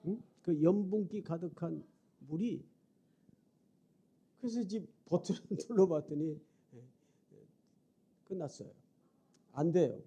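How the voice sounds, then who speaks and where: Middle-aged guy preaching, gravelly husky voice, kinda high, goes quiet then loud telling stories. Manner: dramatic, swings from hushed to loud. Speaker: revival preacher. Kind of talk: storytelling sermon.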